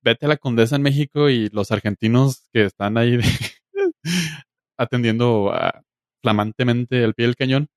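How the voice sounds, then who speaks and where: A young Mexican man with a Mexican accent, chatting casually in an animated, slangy way. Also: mid-range voice, measured pace, dry recording, clean studio sound. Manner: animated, slangy, laughs while talking. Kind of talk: casual chat.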